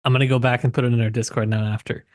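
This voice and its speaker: A man's voice: medium pitch, little pitch movement, very fast, darkish tone, no echo. Man talking casually, close dry sound. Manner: informal, hedging, thinking aloud. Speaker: podcast co-host. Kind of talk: casual literary discussion podcast.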